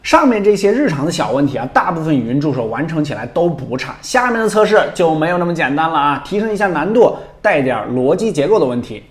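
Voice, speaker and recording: A man's voice: fairly high pitch, big pitch swings, fast talker, hardly any pauses. A man hosting a tech review, narrating from a script with playful, wry commentary.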